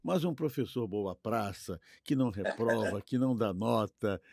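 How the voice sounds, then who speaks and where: A man's voice: on the low side, lively intonation, normal speed, creaky, darkish tone, no room sound, studio quality. An older Brazilian man co-hosting in a casual, chatty way, affirming his partner and seeking agreement with tag questions. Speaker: co-host. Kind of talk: casual chat.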